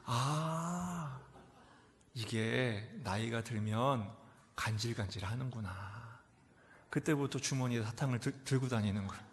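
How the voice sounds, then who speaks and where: In a church sanctuary, a middle-aged male pastor with a mid-range voice preaches a sermon, posing rhetorical questions and answering them himself. He swings from loud exclamations to near whispers, and the hall's reverb makes everything echo.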